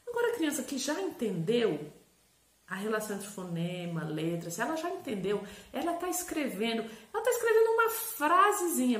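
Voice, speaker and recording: A woman psychopedagogue explaining in a lively, teacherly way, slowly drawing out and spelling syllables. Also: a little high. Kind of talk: educational explainer video. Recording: roomy echo.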